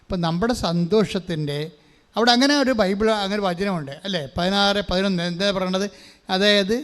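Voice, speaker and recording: A man's voice: high-pitched, brisk, a bit bright. A man preaching a sermon. He quizzes the congregation and has them repeat scripture after him, and drops English phrases into his talk. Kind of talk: sermon with call-and-response. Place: large church hall. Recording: long hall reverb.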